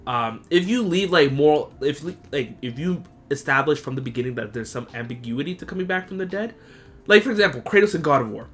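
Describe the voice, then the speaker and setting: A young man hosts a casual solo podcast, profane and animated, jumping into high, excited squeals before dropping to low, muttered asides. He talks a little fast, and there is slight background noise.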